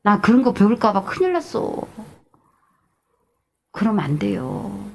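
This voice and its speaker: A middle-aged woman pastor preaching an animated sermon, moving between loud exclamations and hushed, whispered asides. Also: medium pitch, unhurried, gravelly, a little hiss or hum.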